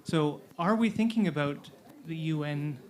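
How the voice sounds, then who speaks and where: A man's voice: a little high, a little slow, a little mellow. A man putting a question in a discussion in an informal, wry way. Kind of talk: conversational panel question.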